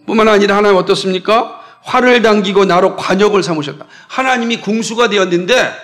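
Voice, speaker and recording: A man from South Korea preaching from the pulpit in a high voice. His delivery is emphatic, and he keeps throwing questions out to the congregation and answering them himself. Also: a bit bright. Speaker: pastor. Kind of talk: sermon.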